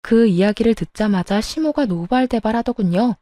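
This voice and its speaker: Brief: woman narrator, sardonic storytelling, mellow tone, dry close recording. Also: on the high side, expressive, moderate pace, dry recording. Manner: sardonic, matter-of-fact. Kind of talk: first-person storytelling narration.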